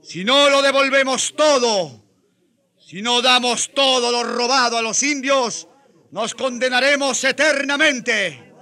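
An impassioned colonial Christian in a radio drama, with a very high, piercingly bright voice. He declaims slowly and fervently, like a preacher defending the oppressed. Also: exaggerated voice. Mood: fervent, pleading. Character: impassioned colonial Christian man denouncing wrongs against Indians.

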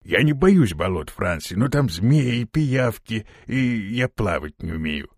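A man's voice: fairly low pitch, expressive, measured pace, no echo, studio quality. A man voicing a cowardly male companion who whines and makes excuses. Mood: whining. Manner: whining, excuse-making.

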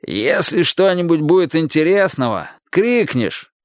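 A man voicing a husky, sleepy husband who has just been woken and grumbles irritably. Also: fairly high pitch, big pitch swings, a little slow, no echo, clean studio sound, voice pushed up. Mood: calmer. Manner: irritable, then placating.

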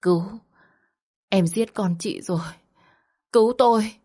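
A woman voicing a spiteful pregnant young woman, hoarse and gasping as she pleads. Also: mid-range voice, measured pace, dark tone, voice pushed up. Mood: pleading.

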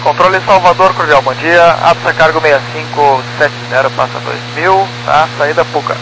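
A man's voice: fairly high pitch, normal speed. A Brazilian man speaking as an airline pilot in clipped radio phraseology over an aviation radio. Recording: noisy humming aircraft radio transmission.

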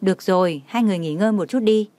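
A woman voicing a bossy young woman friend who scolds briskly, in a dry recording. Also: medium pitch, mellow, no echo, lightly acted. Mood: scolding.

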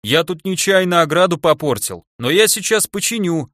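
A man's voice: sits high, animated, normal speed, a bit bright, dry recording, studio quality, pitched above the performer's own voice. A man voicing a huge, simple-minded male half-orc laborer who bellows his questions in an audiobook. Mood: eager. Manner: bellowing, dim-witted.

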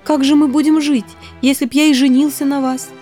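A woman's voice: sits high, little pitch movement, a little fast, dark tone, soft background music, voice pushed up, natural voice. A woman voicing a poor, sincere young man making earnest promises in an audiobook. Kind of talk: audiobook reading.

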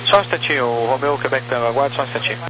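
A man with a Brazilian accent working as an air traffic controller, giving procedural, clipped clearances with digits spelled out over a crackly radio. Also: mid-range voice, racing. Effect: crackly aviation radio. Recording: noisy crackly radio transmission with hum.

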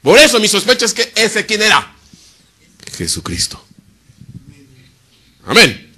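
A man preaching a sermon. He asks rhetorical questions and answers them himself, and he swings between loud emphasis and quiet, low asides. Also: wildly swooping pitch, a little slow, slightly rough.

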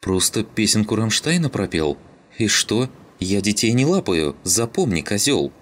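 A man's voice: lowish voice, big pitch swings, normal speed, pitched above the performer's own voice. A man reading an audiobook, voicing a brash, mocking young skinhead.

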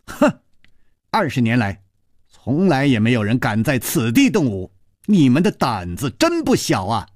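A male storyteller voicing a haughty, menacing woman in white who speaks low and quietly. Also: wildly swooping pitch, measured pace, no echo, clean studio sound. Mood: cold. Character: cold haughty woman in white, sect leader.

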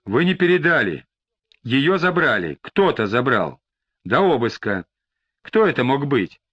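A man voicing a calm police detective who questions steadily, with faint disdain. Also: medium pitch, slightly rough, exaggerated voice. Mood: probing. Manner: measured questioning, faintly squeamish. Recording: slightly dull lo-fi recording.

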